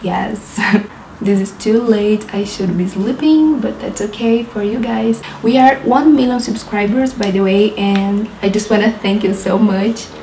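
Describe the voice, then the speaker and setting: Chatty young Brazilian woman, mellow voice. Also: mid-range voice, unhurried, roomy sound, a little hiss or hum, rough recording. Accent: Brazilian Portuguese. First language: Portuguese. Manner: chatty, laughs often, describes each step. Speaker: beauty vlogger. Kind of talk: makeup tutorial chat. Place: apartment in a big city.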